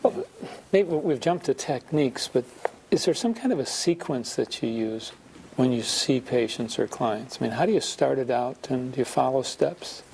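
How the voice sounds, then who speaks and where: A man's voice: mid-range voice, animated, normal speed, vocal fry, darkish tone, a little hiss or hum. A man interviewing a therapist, asking loosely phrased, inquisitive questions. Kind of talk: asking questions in a professional discussion.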